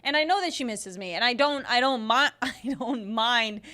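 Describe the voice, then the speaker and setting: A woman co-hosting a comedy podcast, teasing her friend playfully with quick laughs. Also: fairly high pitch, pushed and bright. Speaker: podcast co-host. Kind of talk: casual comedy chat.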